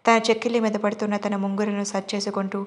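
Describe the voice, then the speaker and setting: Woman narrator, storybook reading, flat steady pitch, every part in one voice. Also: racing.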